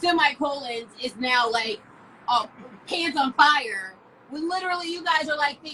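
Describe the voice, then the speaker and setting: Projecting her raised voice, a woman speaks at a high pitch with ordinary pitch variation. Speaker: podcast host. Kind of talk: casual interview. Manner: loud.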